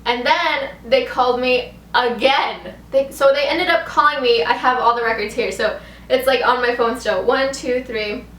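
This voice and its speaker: A woman's voice: fairly high pitch, normal speed, fairly bright tone. A young woman vlogger telling a story in a casual, chatty, rambling way, saying "like" a lot. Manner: rambling, heavy use of "like". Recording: echoey room with background noise.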